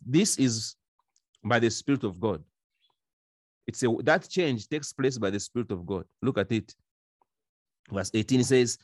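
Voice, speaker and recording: A man's voice: mid-range voice, darkish tone, dry recording. A man preaching a sermon, repeating key phrases for emphasis and breaking into short laughs between points.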